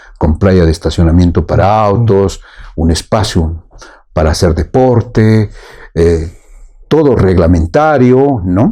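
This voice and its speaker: The voice has a dark, mellow tone and lively intonation at a very slow pace, with long, frequent pauses. Loudness stays very even throughout. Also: man, very deep, low pitch for a man. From Bolivia, Villazón (southern Potosí, Argentine border). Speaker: radio announcer. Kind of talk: interview.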